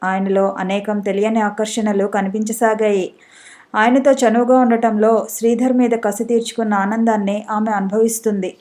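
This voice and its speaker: A woman's voice: mid-range voice, level tone, normal speed, darkish tone. A woman narrating a storybook and reading the characters' dialogue with some expression. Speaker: audiobook narrator.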